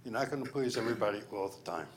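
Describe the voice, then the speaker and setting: A man's voice: on the low side, racing, slight background noise. A man closing a polite, appreciative public comment at a school board meeting.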